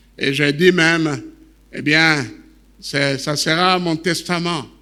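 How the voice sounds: A man speaks slowly with fairly even intonation. His pitch is fairly high, and his tone is bright and sharp.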